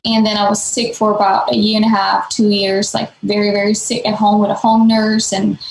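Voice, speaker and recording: Her voice is medium in pitch, gravelly and level, and she speaks fairly quickly, with a little hiss or hum in the recording and an echoey room. She's a late-20s nonprofit founder from Denmark, a podcast guest sharing her story casually and fluently, peppered with "um" and "like."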